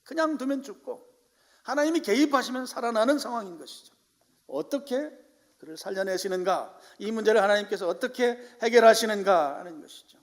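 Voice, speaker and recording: A male pastor preaching a sermon in a church sanctuary, dramatic, swinging from loud exclamations to hushed whispers. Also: high-pitched, expressive, a little fast, big-room sound.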